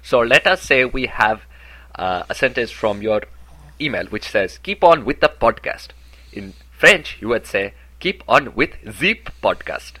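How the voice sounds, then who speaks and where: A man's voice: medium pitch, lively intonation, unhurried, pushed and bright. A man co-hosting a comedic podcast, speaking with formal, earnest phrasing. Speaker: podcast co-host.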